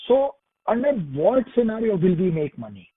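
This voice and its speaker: A man's voice: high-pitched, very animated, normal speed, slightly rough, dry recording. A man with an Indian accent, an investment analyst putting questions to company management on an earnings call. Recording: dry, thin phone line.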